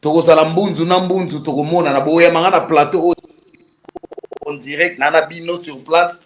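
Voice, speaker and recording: A Congolese man with a Congolese French accent, a musician guest in a casual interview, repeating warm greetings. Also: fairly high pitch, steady tone, moderate pace, a little hiss or hum. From Republic of the Congo. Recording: roomy, dull lo-fi sound.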